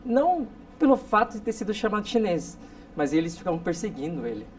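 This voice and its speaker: A man in his forties from South Korea, a guest telling stories in a relaxed interview with many tag questions. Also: sits high, brisk. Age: 40s. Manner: storytelling, frequent tag questions. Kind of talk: casual interview talk. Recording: distant mic with faint noise.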